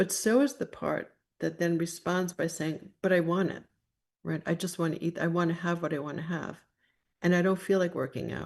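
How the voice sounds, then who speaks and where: The voice has vocal fry and fairly even intonation at a moderate pace. The background is quiet. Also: woman, fairly low pitch for a woman. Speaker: psychotherapist. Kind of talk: workshop talk. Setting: video call. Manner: halting.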